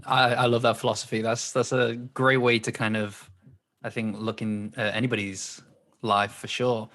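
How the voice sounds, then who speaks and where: Man, interview host, mid-range voice, relaxed loose phrasing. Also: medium pitch, normal speed. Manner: friendly, loose phrasing with fillers. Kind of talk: casual interview chat.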